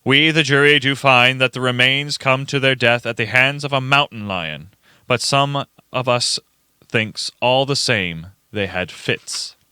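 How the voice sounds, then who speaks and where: A man playing a blunt, rustic jury foreman of sixty in a radio play, slow and pointed. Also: mid-range voice, pushed and bright, clean tone, no room sound, studio quality. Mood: official.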